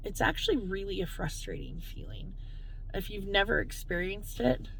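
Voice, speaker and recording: The clip has noticeable background noise and audible room echo. A woman talks through it at a moderate pace. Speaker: vlogger. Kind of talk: casual monologue. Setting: in a car in church parking lot. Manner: hesitant, many fillers.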